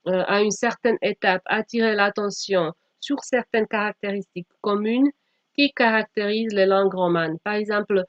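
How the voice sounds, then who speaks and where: A woman from Slovakia, a non-native speaker whose first language is Slovak, giving an academic presentation in a halting way with frequent self-corrections. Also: mid-range voice, no echo. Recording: dull lo-fi microphone sound.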